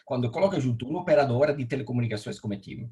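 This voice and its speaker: Very fast and lively in intonation, the telecom engineering director's mid-range voice has a dark tone and an Italian accent. Answering live-stream interview questions over video call, he keeps restarting and repeating words as he explains.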